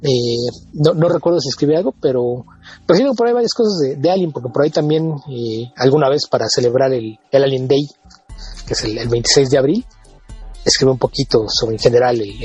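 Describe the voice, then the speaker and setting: Mexican guy on a podcast, super breathy husky voice, keeps restarting words. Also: mid-range voice, fast, faint music behind, rough recording. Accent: Mexican Spanish. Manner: chatty, repeats and restarts words. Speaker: podcast co-host and blogger. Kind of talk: casual podcast chat.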